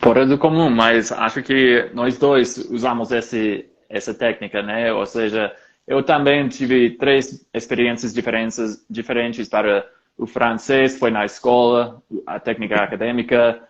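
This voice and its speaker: A man with as his chats steadily in Portuguese. His voice is middle-pitched. The sound is dull and lo-fi, as if through a modest mic. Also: a little slow. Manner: steady, asks his partner questions. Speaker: co-host, polyglot. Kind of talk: casual chat.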